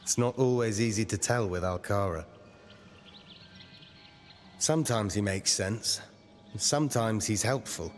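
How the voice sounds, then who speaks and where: An actor playing an earnest, curious warrior in a fantasy video game, questioning and dryly skeptical. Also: male voice, fairly low pitch, unhurried, long pauses, lightly acted. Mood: wry, skeptical. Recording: long reverb, faint music behind.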